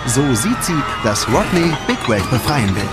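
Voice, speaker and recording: A man's voice: medium pitch, sing-song, measured pace. A man narrates a scripted audio play for children. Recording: music under the voice. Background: prominent music.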